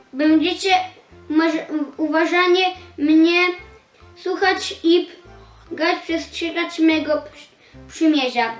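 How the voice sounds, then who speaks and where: Very high, slow, halting female reader. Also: echoey room, poor audio. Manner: halting, stumbling syllable by syllable. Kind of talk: halting read-aloud of scripture dialogue.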